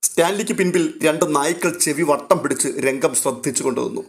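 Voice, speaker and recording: A male storyteller with a somewhat high voice reading a serial novel aloud. He narrates steadily and evenly, scene by scene. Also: brisk, vocal fry.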